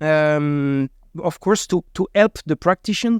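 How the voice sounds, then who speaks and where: A man with a French accent, fairly high in pitch, at a moderate pace with ordinary pitch variation, on a very clean recording with a silent background and a dry, close sound with no echo. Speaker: healthcare technology business developer. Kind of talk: interview. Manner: halting.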